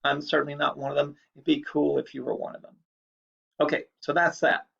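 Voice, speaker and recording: Gravelly man lecturing, lo-fi. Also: on the high side, level tone, a little fast, fairly bright tone. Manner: chatty, explanatory, repeats key points. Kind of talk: recorded online lecture. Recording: dull lo-fi recording.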